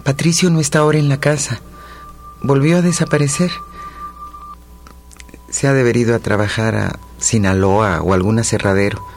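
A woman's voice: very deep voice, steady tone, moderate pace, pauses often, a little mellow, faint music behind. An actress playing a torn, uncertain rural Mexican woman in a radio play, confiding and questioning herself. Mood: resigned, fond. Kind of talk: radio theatre monologue.

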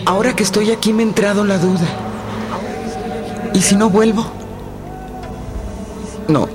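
A woman's voice: medium pitch, measured pace, natural voice. An actress playing a torn, uncertain rural Mexican woman in a radio play, confiding and questioning herself. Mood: anguished doubt. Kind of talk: radio theatre monologue.

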